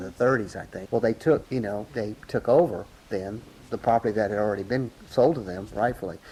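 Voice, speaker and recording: Speaking fairly quickly in a normal speaking voice, a man with an American accent shows ordinary pitch variation. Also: fairly low pitch for a man. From Hatteras, North Carolina, Outer Banks. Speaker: Outer Banker, local resident recalling net camps. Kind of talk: interview answer, oral-history recollection. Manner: conversational, storytelling, digressive.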